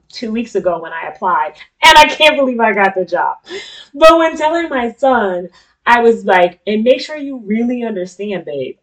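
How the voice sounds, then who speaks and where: A woman's voice: medium pitch, poor audio. A middle-aged woman with an African American accent hosts her own talk. She speaks candidly and informally to her audience, with slangy, conversational phrasing and a mid-range voice. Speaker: talk show host. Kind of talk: casual personal monologue to an audience.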